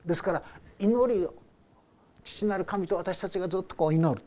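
An older male pastor preaching a sermon with a fairly high voice. He talks in a loose, conversational way, telling stories and putting questions to his listeners. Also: fairly quick, dark tone. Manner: conversational storytelling with rhetorical questions.

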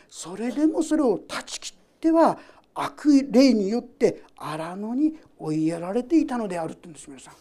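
A woman's voice: a little high, mellow. A woman pastor preaching a sermon. She reads scripture aloud, explains it, and talks to the congregation directly with questions.

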